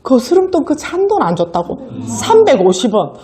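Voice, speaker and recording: Lively middle-aged woman telling stories. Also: high-pitched, moderate pace. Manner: animated storytelling, acts out quoted voices, laughs often. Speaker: sales seminar speaker. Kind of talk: motivational seminar talk.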